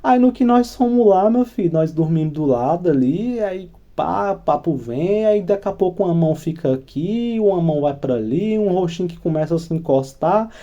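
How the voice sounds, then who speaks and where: Slangy Brazilian man with a dark voice. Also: high-pitched, lively intonation, normal speed, few pauses, highs cut off. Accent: Brazilian Portuguese. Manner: slangy, crude, rambling with fillers. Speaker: channel host. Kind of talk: casual storytelling monologue.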